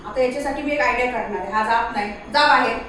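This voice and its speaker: A woman's voice: on the high side, racing, fairly bright tone. A woman vlogging at home in her kitchen, chatting away and alternately coaxing and scolding her dog. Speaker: vlogger and pet owner. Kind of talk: casual home vlog talking to her dog. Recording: very echoey room, voice from a distance, faint noise.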